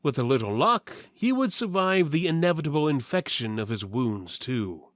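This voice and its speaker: A man narrating a mock-epic fantasy tale as a dramatic reading, theatrical and solemn with deliberate emphasis. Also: a little high, sing-song, dry recording, clean studio sound. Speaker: story narrator.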